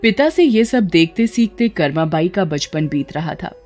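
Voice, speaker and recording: A woman narrating a scripted devotional story in an even, clear storytelling voice. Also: fairly low pitch, moderate pace. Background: faint background music.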